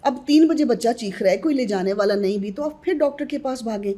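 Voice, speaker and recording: A woman's voice: fairly high pitch, animated, mellow. A woman who is a guest on a podcast interview, earnestly advising mothers on newborn care and addressing them directly.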